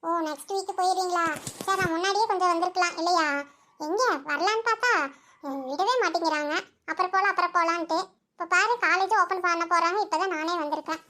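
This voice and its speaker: Cartoon voice actress, very high voice, quick chatty village banter. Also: female voice, steady tone, sharp tone. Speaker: narrator voicing all characters. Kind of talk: cartoon voice acting.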